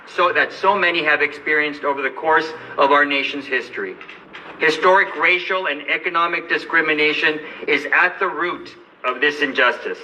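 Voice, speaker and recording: A man from Los Angeles delivers a formal, measured speech with an earnest tone. His voice is bright and slightly high. He sits a bit far from the microphone, with faint background noise. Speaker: lawyer and advocate. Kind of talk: formal speech at a press event. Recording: distant mic with light background noise.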